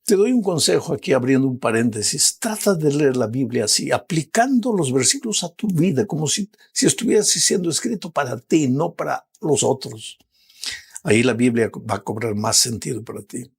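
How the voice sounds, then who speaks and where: A man, a pastor, giving a sermon with slow, emphatic preaching and rising appeals. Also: medium pitch, animated, vocal fry, husky.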